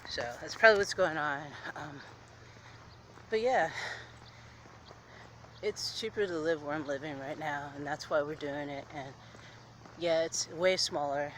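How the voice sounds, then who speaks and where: A man's voice: on the high side, a little slow, pauses often, a bit bright. A man chatting casually while walking outdoors, rambling with restarts and a bit out of breath. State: slightly out of breath. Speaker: vlogger. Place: outdoors on streets near an air base. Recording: noisy outdoor street with traffic. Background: traffic and urban ambience.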